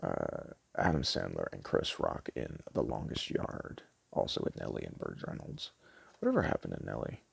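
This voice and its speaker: A man doing a casual ASMR store-clerk roleplay, rambling offhandedly and stumbling as he reads blurbs, with a gravelly voice on a noisy home recording. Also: a bass voice, wildly swooping pitch, moderate pace, no room sound. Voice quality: gravelly, creaky. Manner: rambling, offhand, stumbles when reading aloud. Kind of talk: casual ASMR roleplay, chatting and reading movie blurbs aloud.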